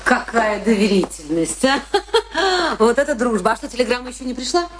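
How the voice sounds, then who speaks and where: A woman acting as a scornful, vindictive wife in a radio drama. Her voice is fairly high, and she delivers her words with sardonic, theatrical relish, impatient and taunting. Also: animated, normal speed, a little hiss or hum, close to an everyday voice. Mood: mocking. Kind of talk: theatrical radio play dialogue.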